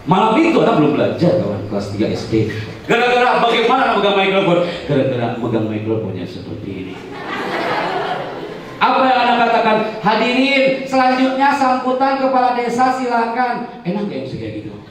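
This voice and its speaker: A man's voice: a little high, huge pitch swings, quick pace, a little hiss or hum. A man telling a dramatic personal story as a motivational seminar speaker. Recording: echoey hall, distant mic.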